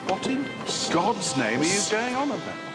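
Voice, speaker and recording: An actor playing a brusque, dry village doctor with a clipped deadpan manner in a TV drama. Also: male voice, sits high, moderate pace, loud music behind the voice. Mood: baffled, dry. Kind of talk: TV drama acting.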